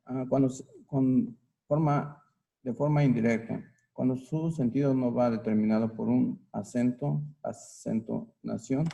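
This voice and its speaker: Man, student answering in class, explains as he thinks, gravelly, mellow tone. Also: medium pitch, fairly even intonation, measured pace.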